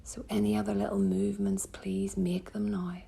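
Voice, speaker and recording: A woman yoga teacher leading a guided relaxation meditation in a soft, breathy, soothing manner with gentle pauses. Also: on the low side, very animated.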